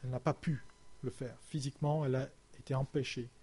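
A man preaching a sermon in French, telling a story with many pauses and restarts, his voice sinking quiet at the ends of phrases. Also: fairly even intonation, breathy edge. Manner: halting, with many restarts and fillers, voice dropping low and soft at phrase ends.

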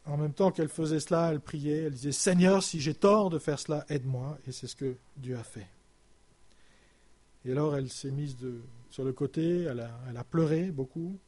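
A man preaching a sermon in French, telling a story with many pauses and restarts, his voice sinking quiet at the ends of phrases. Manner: halting, with many restarts and fillers, voice dropping low and soft at phrase ends.

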